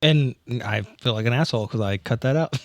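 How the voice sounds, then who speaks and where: A man's voice: mid-range voice, fairly quick, no echo. A man chatting casually and jokingly as a player on a tabletop game podcast, often poking fun at himself. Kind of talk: casual chat.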